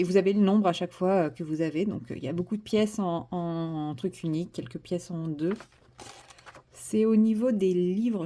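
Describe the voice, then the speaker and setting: A woman chatting casually to her viewers from home, her voice mellow and relaxed. She talks in loose, hesitant runs full of fillers and restarts, warming into enthusiasm as she unpacks a craft kit. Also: medium pitch. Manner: chatty, hesitant with many fillers, self-correcting. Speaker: vlogger. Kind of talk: casual vlog chat.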